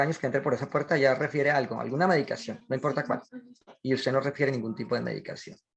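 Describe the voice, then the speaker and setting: Talking very fast, a man has a fairly high, somewhat breathy voice. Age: 60s. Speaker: spiritual teacher and former Shaolin monk. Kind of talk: interview monologue.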